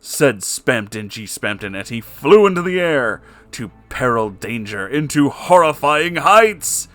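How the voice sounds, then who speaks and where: A man's voice: mid-range voice, sing-song, measured pace, a bit bright, no echo. A man narrating a comic fan story in a theatrical, mock-serious dramatic reading. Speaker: story reader.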